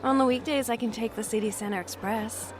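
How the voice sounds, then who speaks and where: A woman's voice: fairly high pitch, fairly quick, music in the background, lightly acted. An actress playing an overworked, contented homebody in her twenties, speaking in a hesitant, understated way in a naturalistic audio drama. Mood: casual, content. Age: 20s. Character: twenty-six-year-old overworked woman, homebody, contented and cautious.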